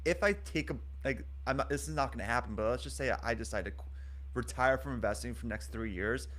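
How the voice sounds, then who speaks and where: A man from Los Angeles co-hosts a relaxed market talk show with a mid-range voice. He talks in a chatty, candid way and pokes fun at himself. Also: medium pitch, fast. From Los Angeles, United States. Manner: candid, self-deprecating, chatty. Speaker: co-host.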